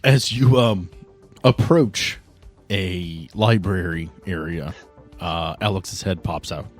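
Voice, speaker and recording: A man's voice: sits low, takes it slowly, faint music behind. A man acting as game master, narrating a tabletop game in a casual way.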